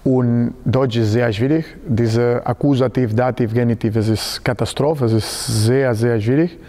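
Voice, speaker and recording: A man in his thirties from Spain, a basketball coach answering interview questions in halting German with a Spanish accent and many fillers, recorded in a large sports hall. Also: mid-range voice, steady tone, warm tone. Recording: long hall reverb.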